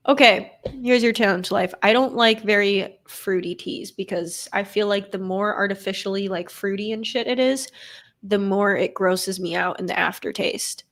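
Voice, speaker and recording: A woman's voice: mid-range voice, fairly even intonation, moderate pace, a bit bright. A woman streamer with a stuffy nose from a cold, giving casual play-by-play of a football game and chatting with her viewers. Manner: chatty, swears casually, reads and answers chat. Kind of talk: casual live play-by-play commentary with chat. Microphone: desk streaming microphone.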